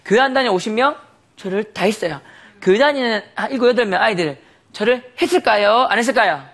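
A man's voice: high voice, fast, a bit bright. A man giving a sermon testimony, telling a story animatedly with frequent laughter and rhetorical questions.

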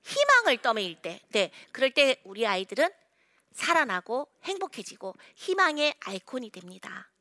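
Woman counselor speaking to parents: crisp, tense brightness, close dry sound, earnest delivery. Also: on the high side, big pitch swings, moderate pace, no room sound. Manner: earnest, swings from loud exhortation to hushed storytelling. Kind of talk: public talk to parents.

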